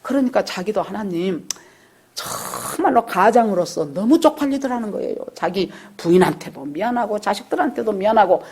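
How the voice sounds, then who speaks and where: A woman pastor delivers a Sunday sermon in a husky, slightly breathy voice. She preaches in a storytelling way and acts out the voices of the people in her stories. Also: mid-range voice, lively intonation, moderate pace, darkish tone. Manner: storytelling, acting out quoted dialogue. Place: church service.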